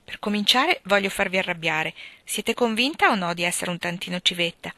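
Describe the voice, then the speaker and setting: A woman's voice: fairly low pitch, expressive, brisk, bright, forceful tone, no room sound. Brief: cheeky teenage boy, voiced by a woman, teasing, dry close sound.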